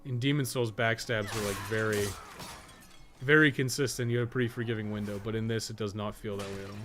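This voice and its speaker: A man's voice: lowish voice, fairly even intonation, quick pace, fairly bright tone, slight background noise. A man giving casual gaming commentary, thinking aloud in a rambling, profane way with joking asides. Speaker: podcast co-host playing a video game.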